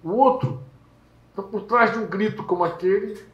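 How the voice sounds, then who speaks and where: A man preaching at a small home gathering, telling stories lively and acting out characters. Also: high voice, a little fast, highs cut off. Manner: lively storytelling, acts out characters. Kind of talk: sermon. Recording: echoey room.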